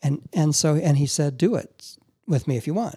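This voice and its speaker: A man's somewhat breathy voice has a dark, mellow tone, moving at a moderate pace with ordinary pitch variation. The recording is very clean, with a silent background and a dry, close sound with no echo. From Chicago. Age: 60s. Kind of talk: casual discussion.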